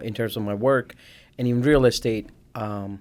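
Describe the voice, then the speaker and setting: Delivered with a Gujarati accent, the speech moves at a moderate pace with fairly even intonation. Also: man. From India. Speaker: real estate agent and investor. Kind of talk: interview.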